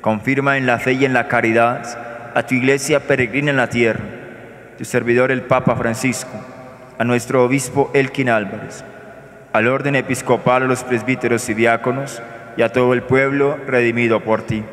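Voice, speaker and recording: Give me a priest, speaking in a monotone as he prays through the Mass in a reverberant church. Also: medium pitch. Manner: measured, solemn liturgical recitation. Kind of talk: celebrating Mass, praying aloud. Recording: echoey church with long reverb.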